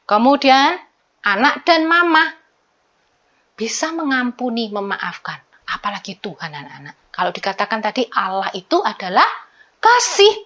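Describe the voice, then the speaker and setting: A woman teaching a Sunday school lesson to children, animated, often acting out children's prayers in a childlike voice. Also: sits high. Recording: dull lo-fi recording.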